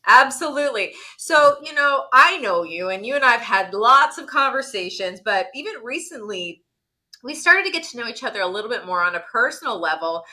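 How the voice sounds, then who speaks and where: A woman's voice: fairly high pitch, lively intonation, a little fast, bright, forceful tone. A woman hosting a wellness interview show, effusive and enthusiastic as she introduces and questions her guest. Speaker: show host.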